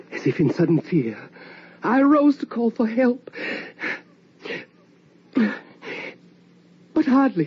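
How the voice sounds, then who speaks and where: Ghostly middle-aged mother, radio play: very slow, halting, sorrowful, on a dull, noisy old recording. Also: medium pitch. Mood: terrified. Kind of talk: radio drama monologue.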